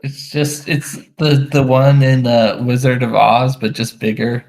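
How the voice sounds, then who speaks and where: Gravelly male player, unhurried. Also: medium pitch, fairly even intonation, a little mellow. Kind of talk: casual table chat.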